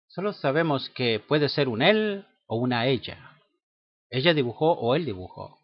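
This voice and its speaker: A man teaching a grammar lesson in a slow, halting way, with many fillers and tag questions. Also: mid-range voice, expressive, no echo. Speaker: language teacher. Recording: dull lo-fi sound.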